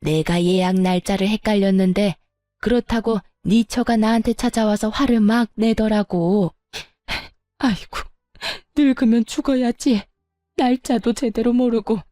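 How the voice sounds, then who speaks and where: A woman's voice: medium pitch, steady tone, moderate pace, mellow, dry recording, clean studio sound, close to an everyday voice. A woman playing a scheming older mother-in-law. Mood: fake wailing. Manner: gloating, then fake wailing.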